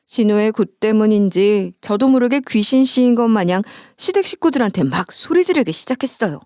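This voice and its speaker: A woman narrating a true family story in an expressive, scripted storytelling style. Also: medium pitch, normal speed, no room sound, studio quality.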